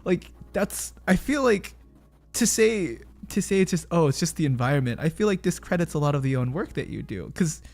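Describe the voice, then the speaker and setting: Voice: mid-range voice, sing-song, brisk, gravelly, darkish tone. A streamer hosting a casual chat with a guest, chatty and encouraging, with many fillers and restarts. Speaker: streamer host.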